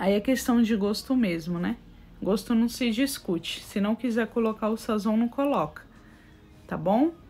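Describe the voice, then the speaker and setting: Somewhat breathy and dark, mellow in tone, a woman speaks at a fairly high pitch. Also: ordinary pitch variation, fairly slow pace. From São Paulo, Brazil. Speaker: cooking youtuber. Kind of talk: cooking tutorial. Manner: chatty, informal. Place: kitchen.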